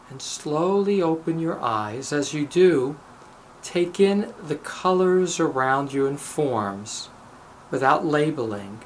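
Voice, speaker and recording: In the manner of a rabbi, a medium-pitched man guides a meditation and recites blessings, very slow and deliberate, pausing between short measured phrases. The recording is rough, with light noise behind his voice.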